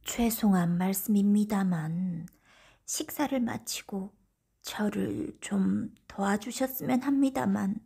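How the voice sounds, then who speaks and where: A woman's voice: medium pitch, slow pace, vocal fry, mellow, husky, exaggerated voice. A woman voicing a grieving young widow of about thirty in a folktale storybook, speaking politely and plaintively. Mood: pleading. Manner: formal, deferential, plaintive.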